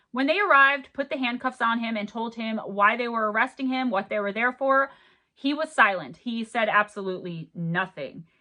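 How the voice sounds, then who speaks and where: A fairly high-pitched woman's voice, bright and sharp in tone, with lively intonation at a fairly quick pace over a quiet background. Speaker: true crime YouTuber. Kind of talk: true crime narration to camera. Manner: casual, chatty.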